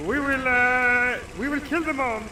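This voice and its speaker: A man's voice: very high-pitched, steady tone, measured pace. A young man gaming with friends over voice chat, bossy and mock-pompous as squad leader. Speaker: gamer. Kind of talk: playful in-game voice chat. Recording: game engine noise behind.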